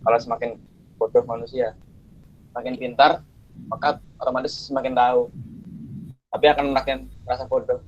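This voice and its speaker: A man's voice: mid-range voice, level tone, a little fast, long pauses, muffled recording. A male student answering hesitantly in an online class, his audio breaking up over the call and asking to be corrected. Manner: hesitant, apologetic, asks to be corrected. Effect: choppy online call audio breaking up.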